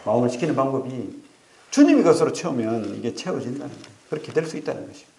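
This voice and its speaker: Male pastor for a sermon, gravelly voice, lively storyteller who keeps checking in with the pews, roomy church sound. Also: medium pitch, racing, slight background noise. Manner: animated storytelling with rhetorical questions to the congregation. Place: church sanctuary.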